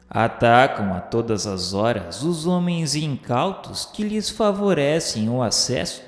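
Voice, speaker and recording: A man with a Brazilian accent acting as a solemn, remorseful scholar's spirit, narrating a radio drama in measured, literary phrasing. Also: mid-range voice. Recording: echoey hall reverb under music. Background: music.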